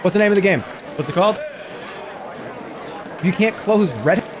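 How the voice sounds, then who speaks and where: Male streamer, 30s, rambling, cursing, fairly high voice, desk mic at home. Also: normal speed, noisy background. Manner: animated, rambling, swears a lot. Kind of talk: casual livestream chatter.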